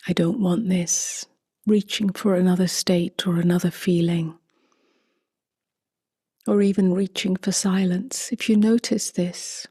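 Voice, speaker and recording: A woman speaks as a meditation teacher, very slowly and softly. Her voice is lowish, mellow and breathy, close to a whisper, with calm, spacious gaps between short phrases. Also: no echo. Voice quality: soft, breathy, half-whispered. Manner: slow, calm, gently spaced phrases. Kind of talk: guided meditation.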